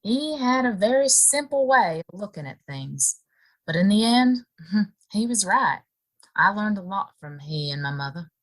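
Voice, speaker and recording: A woman's voice: medium pitch, very animated, a little slow, rough recording. Lady acting a wistful young saloon girl in a western, voice goes up and down a lot, kinda hesitant. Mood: reflective. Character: wistful young saloon woman, curious, yearning for better life. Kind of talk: Western audio drama acting.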